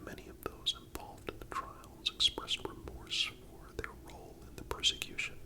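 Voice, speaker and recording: A man giving a calm, measured ASMR narration in a deliberate manner. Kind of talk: whispered ASMR history narration.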